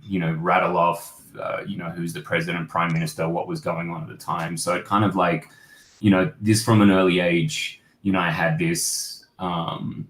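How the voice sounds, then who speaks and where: A man's voice: low-pitched, a bit bright. A man, a guest photojournalist talking over a video call, reflective and rambling with many fillers. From Australia. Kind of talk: casual interview storytelling. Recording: roomy home-office echo.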